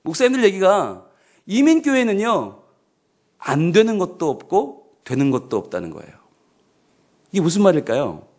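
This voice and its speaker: A male pastor giving a sermon at a midweek church service, animated and humorous, often asking the congregation questions. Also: sits high, moderate pace, pauses often.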